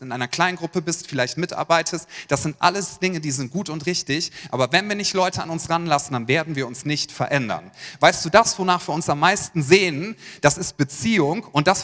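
A man preaching a sermon, his voice sitting a little high. He talks straight at the congregation with lively questions. The sound carries a long reverb from a church hall. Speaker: pastor.

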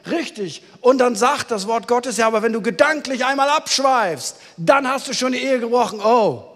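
A male pastor preaching a sermon in an earnest, pleading way, moving between loud exclamations and quiet, intimate passages. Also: very high voice, lively intonation, normal speed, big-room sound.

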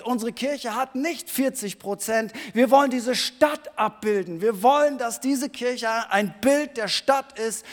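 A pastor preaching a sermon in a church hall, moving between quiet talk and loud, shouted emphasis. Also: male voice, very high-pitched. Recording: long reverb of a church hall.

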